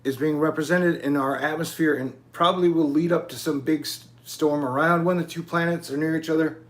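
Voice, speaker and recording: A slightly high, steady male voice moves at a brisk clip. He's a YouTube channel host in his forties, rambling loosely through a monologue and swearing here and there.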